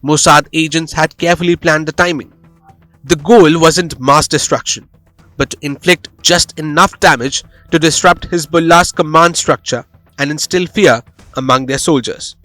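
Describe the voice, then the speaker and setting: A man's voice: on the high side, steady tone, normal speed, sharp tone, no room sound, soft background music, poor audio. A man reading a scripted news explainer as a voice-over, with a dramatic storytelling delivery, close on the microphone. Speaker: news narrator. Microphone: close studio voice-over microphone.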